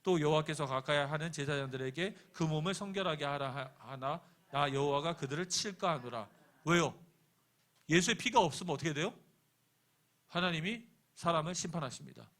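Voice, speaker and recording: A middle-aged male pastor preaching to his congregation in a church. His voice sits a little high for a man. He asks the people questions and then answers them himself, and he drops into quoted dialogue when he tells a story about his own life. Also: fairly quick, a bit bright. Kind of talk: sermon. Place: church sanctuary.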